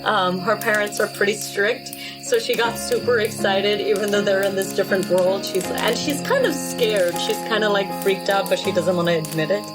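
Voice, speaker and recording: A woman's voice: mid-range voice, lively intonation, normal speed, hardly any pauses, rough recording. Giggly, rambling woman storyteller over music. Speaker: tabletop role-playing player. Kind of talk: improvised in-character storytelling, casual. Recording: music playing behind the voice.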